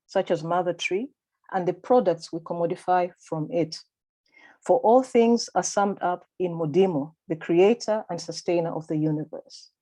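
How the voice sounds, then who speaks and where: A woman with a Malawian accent presents a prepared conference paper. Her voice sits fairly low and sounds mellow and relaxed. She speaks in a measured, formal and deliberate way, like a lecture given over a video call. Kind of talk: reading a prepared academic paper.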